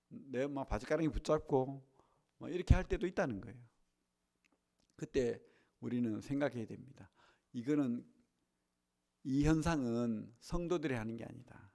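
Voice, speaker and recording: A man preaching a sermon to his congregation, chatty, asking for nods, dropping to a near hush and then rising to loud emphasis. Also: on the high side, creaky. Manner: conversational preaching with tag questions; swings between hushed and loud emphasis. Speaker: pastor. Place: church sanctuary.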